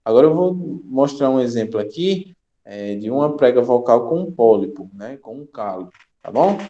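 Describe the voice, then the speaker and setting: Mellow-voiced young man explaining slides. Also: mid-range voice, expressive, moderate pace, lo-fi sound. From Brazil. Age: young adult. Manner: explanatory, checks in with "ok?" and "tá?". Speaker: teacher trainer. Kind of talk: recorded online lecture.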